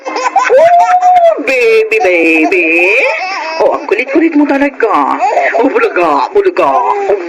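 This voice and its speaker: A man acting a flamboyant, campy gay best friend in a Filipino radio drama, with animated, effusive banter and a Filipino accent. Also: very high voice, slow pace, very noisy, heavily acted. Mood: playful, gushing. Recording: music bed under the voice.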